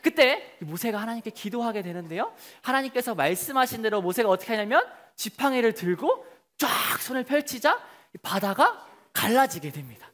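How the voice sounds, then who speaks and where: A preacher giving a children's sermon, telling a story and acting out the crowd's voices with lots of questions to the kids. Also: male voice, very high voice, a little fast. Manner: lively, sing-song, calls out to children.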